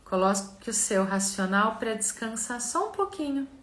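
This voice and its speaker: A Brazilian woman leads a guided relaxation and visualization in a slow, gentle, soothing manner with long pauses. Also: a little high, very animated. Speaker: mentor and therapist leading a live session. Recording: echoey room sound.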